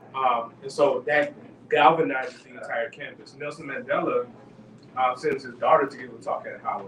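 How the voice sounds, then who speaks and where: With an American accent, a man speaks with big swings in loudness amid noticeable background noise. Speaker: professor. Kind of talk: interview. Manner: fast.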